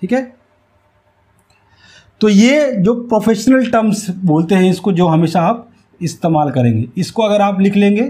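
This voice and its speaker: A man teaches in a high, soft-edged voice. He explains things step by step as an instructor does, going back over key phrases so they stick. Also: expressive, unhurried, pauses often. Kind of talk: instructional whiteboard lesson. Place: small indoor room with whiteboard. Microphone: lapel mic.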